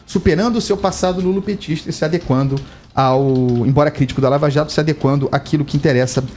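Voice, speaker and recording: A man's voice: fast, a little hiss or hum. A man from Brazil giving emphatic, indignant political commentary on live radio, his voice climbing sharply when he stresses a point. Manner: emphatic, indignant, animated pitch rises. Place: radio studio.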